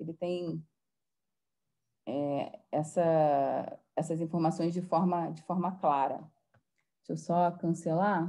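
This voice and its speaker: Over a quiet background, a woman speaks very slowly with a fairly low pitch, a dark, mellow tone, monotone, flat intonation and long, frequent pauses. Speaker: training instructor for graduate program staff. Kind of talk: software training tutorial.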